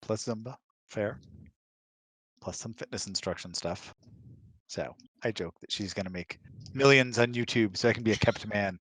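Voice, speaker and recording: A man's voice: fairly low pitch, normal speed, long pauses, a bit bright, no echo. A man in his thirties talking casually in an easygoing, joking way. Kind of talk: casual chat. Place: indoors, close and dry online voice hangout.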